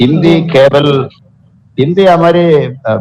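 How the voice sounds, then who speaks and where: A somewhat breathy man with a Malayalam accent and ordinary pitch variation. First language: Malayalam (speaking Hindi). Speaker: literary translator. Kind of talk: interview. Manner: formal.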